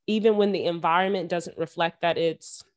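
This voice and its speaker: A young woman podcast host telling stories from her childhood in a casual, animated way, full of slang and fillers. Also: fairly low pitch, normal speed. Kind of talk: casual chat.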